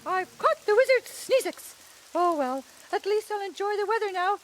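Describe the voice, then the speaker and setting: Woman playing a fussy monarch, exclamatory, bossy, very high lively voice, music underneath. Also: moderate pace. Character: fussy, excitable monarch of a storybook kingdom. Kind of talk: puppet show acting. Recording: puppet show with music behind.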